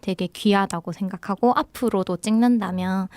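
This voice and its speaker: A woman's voice: medium pitch, normal speed, a little mellow, dry recording. A young woman with a Daegu accent, a film director talking reflectively and chattily in a radio interview. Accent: Daegu dialect. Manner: chatty, reflective, laughs often. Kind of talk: casual interview talk. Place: radio studio.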